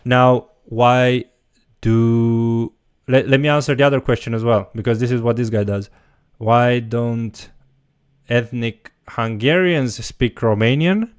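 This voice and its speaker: A man's voice: medium pitch, slow pace, smooth, no room sound, clean studio sound. A man teaching a language, answering viewer questions in a casual livestream and thinking aloud as he goes. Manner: loose, talks while thinking aloud.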